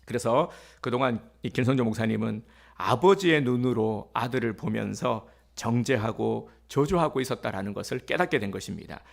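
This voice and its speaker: Male pastor, gravelly mid-range voice, chatty sermon delivery. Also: medium pitch, moderate pace. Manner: conversational preaching with fillers and acted quotes.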